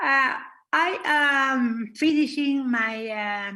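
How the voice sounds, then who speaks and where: A woman's high-pitched voice with an Argentinian accent and a bright, sharp tone. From Argentina. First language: Spanish. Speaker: student. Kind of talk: symposium discussion. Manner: halting.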